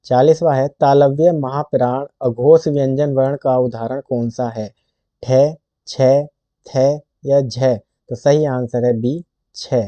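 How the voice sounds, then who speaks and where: A man tutoring for a Hindi exam who reads quiz questions and options slowly, then states the answer, recorded close up in a dry room with dull lo-fi sound. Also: mid-range voice, fairly even intonation, mellow, no room sound.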